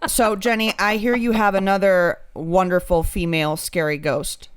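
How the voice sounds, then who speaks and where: A woman's voice: mid-range voice, fairly even intonation, moderate pace, clean tone. A woman co-hosting a podcast, telling stories and commenting casually in a wry, blunt, irreverent way. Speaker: podcast co-host. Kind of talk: casual comedic storytelling chat.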